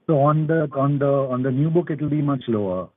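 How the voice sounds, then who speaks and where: A man's voice: medium pitch, brisk, dry recording. Male analyst, hesitant questioner on a conference call, dry close sound through a narrow phone band. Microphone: telephone.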